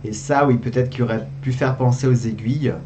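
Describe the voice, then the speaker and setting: A man's voice: medium pitch, steady tone, a little fast, background noise. A man hosting a gaming video, giving casual commentary on a board game as he plays, thinking aloud with hesitations and repeats.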